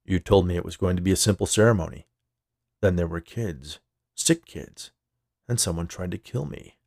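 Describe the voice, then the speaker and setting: A powerful, smug chief executive, acted out by a male storyteller, speaks with cool condescension and menace. The voice is low and gravelly, commanding in delivery, in a very dry recording. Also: moderate pace, a little mellow, no echo. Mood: menacing, angry.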